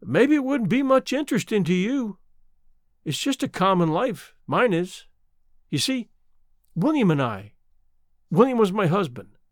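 Man doing a meek old widow, raised pitch, lively lilt, dry close sound. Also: a little slow, pauses often, no room sound. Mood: wistful. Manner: rural dialect, homely grammar; apologetic, wistful. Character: poor old widow from the mountains, gentle.

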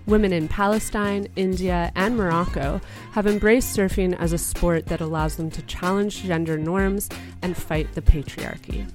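A woman's voice: on the low side, fairly even intonation, a little mellow, soft background music. A woman hosting a podcast, chatting casually with a playful, teasing manner. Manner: playful, teasing, quick asides. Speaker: podcast host.

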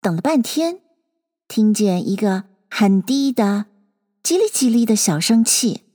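A woman reading a translated children's classic aloud in a measured storytelling manner. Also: mid-range voice, lively intonation, dark tone. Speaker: reader. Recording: long hall reverb.

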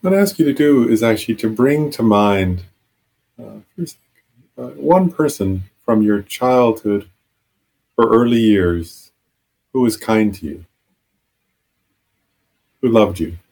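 Husky, low man guiding meditation. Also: animated, rough recording. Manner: halting, unscripted, gentle instruction with long pauses. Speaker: meditation teacher. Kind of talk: guided meditation.

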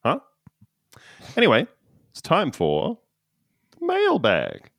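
A man's voice: on the high side, wildly swooping pitch, slow pace, creaky, a bit bright, dry recording, clean studio sound. A man co-hosting a comedy podcast, sarcastic and given to mock-theatrical announcements. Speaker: podcast co-host. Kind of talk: casual comedy chat.

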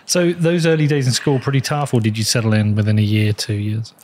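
A man hosting an interview, asking brisk, blunt questions and swearing casually. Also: fairly low pitch, little pitch movement, a little mellow, slight background noise, rough recording. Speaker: podcast host.

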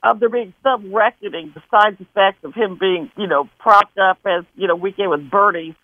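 A woman's voice: mid-range voice, moderate pace, no echo. A woman calling in to a radio show, with a Wisconsin accent mixed with Southern, hesitant and sarcastic. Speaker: caller. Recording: tinny phone line.

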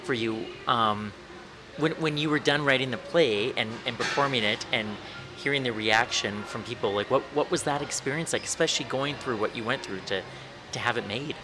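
A man interviews a guest in conversational style. His questions start and restart several times, and music is clearly heard behind his voice. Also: mid-range voice, moderate pace. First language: English. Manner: stumbling repeated starts. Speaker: interviewer host.

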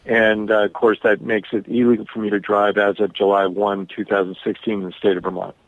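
A man's voice: lowish voice, little pitch movement, no echo. Guy on a crappy phone line calling into a radio show, tinny and dry, keeps stopping and restarting. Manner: halting, many pauses and restarts. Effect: bad phone connection. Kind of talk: call-in radio interview.

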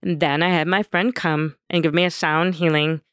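A woman's voice: low-pitched, steady tone, moderate pace, clean tone, no room sound, clean studio sound. A woman guest on a podcast, talking candidly and animatedly, joking and swearing freely. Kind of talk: casual conversation.

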